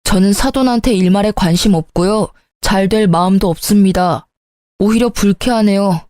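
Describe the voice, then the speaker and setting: A woman's voice: mid-range voice, moderate pace, a little mellow, no echo, studio quality, lightly acted. A woman voicing an offended older brother who speaks curtly and coldly. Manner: curt, cold.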